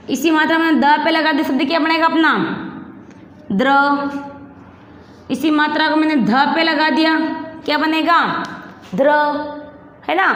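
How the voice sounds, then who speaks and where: High-voiced woman teacher drilling Hindi sounds. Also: fairly bright tone, roomy sound, big-room sound. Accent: Rajasthani Hindi. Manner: patient, repeats sounds and asks children to answer back. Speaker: primary school Hindi teacher. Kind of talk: classroom lesson, slow syllable drilling.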